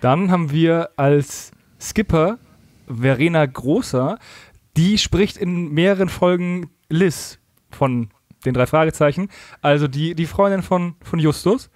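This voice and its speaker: Casting: male co-host, casual chat, slightly high voice, dry recording. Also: a little slow, darkish tone, dry recording. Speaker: podcast co-host.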